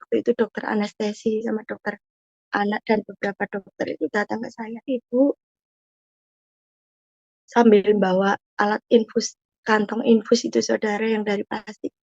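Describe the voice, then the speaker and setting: A woman's voice: medium pitch, flat delivery, normal speed, vocal fry, long pauses, a little mellow, breathy edge, no echo. A woman giving an emotional personal testimony, earnest and repeatedly addressing her listeners. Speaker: testimony guest. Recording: muffled dull audio.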